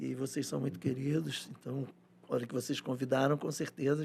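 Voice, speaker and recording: At a very fast pace, a man speaks with a fairly high pitch and a dark, mellow, somewhat breathy tone. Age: 60s. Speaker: social project founder. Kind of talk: podcast interview.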